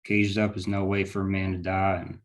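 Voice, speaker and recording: A man's voice: sits low, completely flat delivery, fairly quick, lightly acted. A man playing a hard, vengeful small-town lawman in a script read, speaking bluntly and with menace. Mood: cold, threatening. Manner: gruff, blunt, threatening talk.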